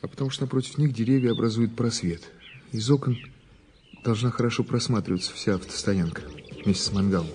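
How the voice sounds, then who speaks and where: An actor playing a middle-aged investigator in an audio drama, politely coaxing and gently ironic as he questions, echoing words thoughtfully. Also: medium pitch, fast talker, lightly acted. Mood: businesslike. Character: probing, gently ironic male prosecutor's investigator. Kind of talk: naturalistic radio drama dialogue.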